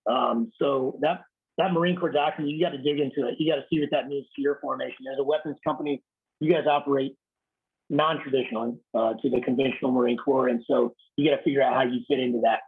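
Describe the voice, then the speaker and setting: A raspy-voiced man in his thirties, a military officer giving a blunt, casual leadership talk over a video call. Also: mid-range voice, fairly even intonation, fast talker, narrow, tinny audio. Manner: blunt, casual, swears lightly. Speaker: Marine Corps officer speaking to a unit.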